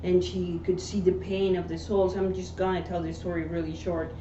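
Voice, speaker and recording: A woman's voice: fairly low pitch, flat delivery, normal speed, warm tone. Earnest woman. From Mexico City. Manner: earnest, often adds "right?" tags. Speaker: interview guest. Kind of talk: personal testimony in conversation. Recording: echoey room, dull sound, faint hiss.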